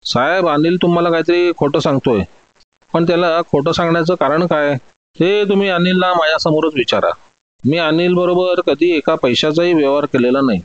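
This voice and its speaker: A man's voice: on the high side, dry recording, lo-fi sound, close to an everyday voice. A man voicing an older male diamond merchant who is proud and indignant, protesting every accusation. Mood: frightened. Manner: protesting, quick to take offence.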